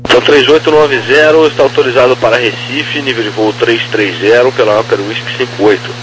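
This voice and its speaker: A man's voice: medium pitch, steady tone, fairly quick, fairly bright tone. Male controller on a noisy radio. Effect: two-way radio transmission. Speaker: air traffic controller. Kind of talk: procedural radio clearances. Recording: noisy humming two-way radio.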